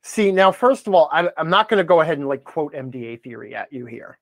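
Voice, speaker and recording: A man speaking as a podcast guest, giving opinionated, emphatic explanations in conversation and often checking in with a quick okay or right. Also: on the high side, expressive, creaky, no echo, clean studio sound. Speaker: podcast guest, game design commentator.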